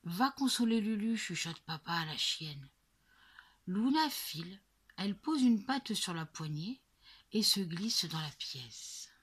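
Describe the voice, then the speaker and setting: A woman telling a children's story with a breathy, husky voice that rises and falls in a lively way. She reads slowly and expressively and slips into whispers. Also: lowish voice. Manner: slow, expressive, with whispered passages.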